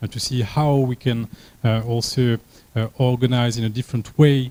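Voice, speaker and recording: A man with a French accent speaks at a moderate pace and with fairly even intonation. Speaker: design company head and biomimicry teacher. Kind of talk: conference talk. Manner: halting, many hesitations.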